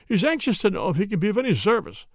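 A man's voice: high voice, big pitch swings, very fast, no echo, studio quality, pitched above the performer's own voice, heavily acted. A man voicing a formal, deferential butler in a storybook reading.

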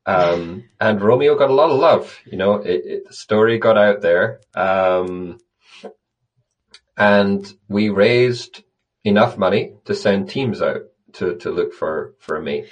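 A man's voice: lowish voice, slow pace, dull audio. A man being interviewed about a conservation project, answering thoughtfully and often restarting his phrases. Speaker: conservation guest.

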